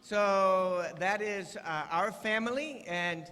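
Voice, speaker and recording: Older man preaching in a bright voice. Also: high-pitched, clean tone. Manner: speaks in short phrases, pausing for translation. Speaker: visiting church elder. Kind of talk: guest sermon with live interpreter. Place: church sanctuary. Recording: church hall reverb.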